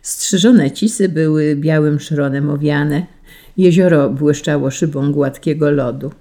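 Low, mellow female radio presenter. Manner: calm, measured announcing. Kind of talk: scripted narration and reading.

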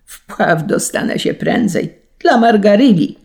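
A narrator voicing a crazed male executioner, shouting wildly and laughing like a madman, in a storybook reading. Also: mid-range voice, expressive, slow, pitched above the performer's own voice. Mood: frantic. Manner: wild shouting with mad laughter. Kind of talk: audiobook character voice.

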